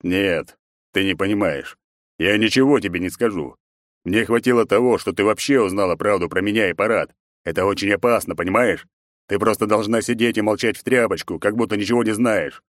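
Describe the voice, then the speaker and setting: A man's voice: fairly low pitch, a little fast, no echo, clean studio sound, close to an everyday voice. A man voicing a stern old emperor. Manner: stern, commanding. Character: stern aging emperor and father, weary and commanding.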